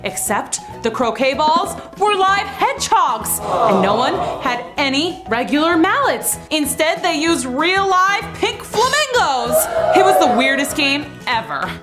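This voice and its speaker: A woman tells a children's story as its girlish heroine. Her voice is high and perky, swinging in pitch with exaggerated expression, with music clearly underneath. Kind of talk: animated first-person storybook narration, playing a young girl.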